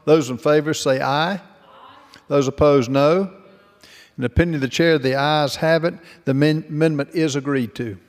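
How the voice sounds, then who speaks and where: Presiding man in an echoing chamber. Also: a little high. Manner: brisk, formulaic recitation. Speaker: presiding chair. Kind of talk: formal parliamentary procedure. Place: large legislative chamber.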